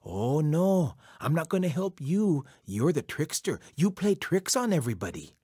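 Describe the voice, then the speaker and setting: A man's voice: on the high side, big pitch swings, normal speed, mellow, breathy edge, no room sound, clean studio sound, voice pushed up. A man voicing a grumpy, gullible old woman in a folktale, hesitant and stammering. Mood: refusing, suspicious.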